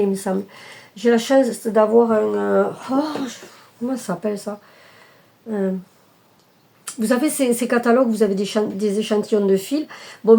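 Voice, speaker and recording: A woman with a medium-pitched, creaky, mellow voice shows off her cross-stitch work in a casual video chat. It's a relaxed show-and-tell, and she talks hesitantly, with many fillers and self-corrections.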